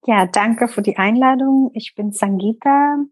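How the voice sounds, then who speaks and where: Slow, thoughtful woman with an Indian accent. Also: a little high, dry recording, low-quality recording. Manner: thoughtful, searching for words, mixing in English phrases. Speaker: interview guest, yoga teacher. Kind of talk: interview conversation.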